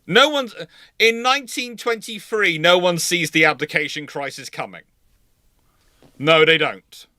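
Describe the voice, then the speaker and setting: Bright-voiced man discussing history live. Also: fairly high pitch, measured pace, no room sound, studio quality. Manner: hesitant, self-correcting, emphatic repetition.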